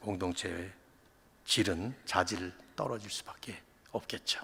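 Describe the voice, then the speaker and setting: A man is heard talking. His delivery is fairly slow. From South Korea, Seoul, North Korean parents. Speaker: pastor. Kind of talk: sermon.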